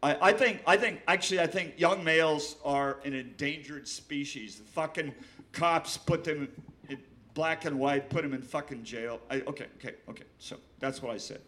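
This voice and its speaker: An older man from Oregon reading his poems aloud, halting and emotional, repeating himself and swearing between stanzas. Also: fairly high pitch, a bit bright. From Willamette Valley, Oregon. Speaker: poet reading his work. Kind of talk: poetry reading with spoken asides.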